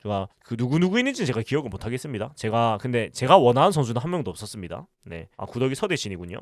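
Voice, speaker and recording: Fast-talking Busan man, lively voice. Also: mid-range voice, no echo, studio quality. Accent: Busan Gyeongsang dialect with western Gyeongsang touches. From Busan, South Korea. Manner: talkative, reads out and answers chat questions, many fillers. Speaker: livestream host. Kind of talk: casual livestream chat answering viewer comments.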